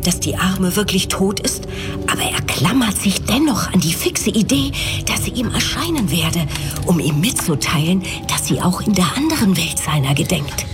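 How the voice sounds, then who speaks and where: A woman's voice: lowish voice, expressive, moderate pace, over music, lightly acted. An actress playing an anxious, haughty, haunted elderly aristocratic mother in a German audio drama, speaking formally and theatrically. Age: older. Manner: formal, genteel, theatrical delivery.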